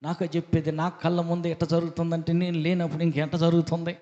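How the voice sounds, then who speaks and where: A man's voice: a little high, monotone, quick pace, close to an everyday voice. A man doing a suspicious, angry husband. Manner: shouting, scolding. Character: suspicious angry husband scolding his wife. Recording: dull echoey hall recording.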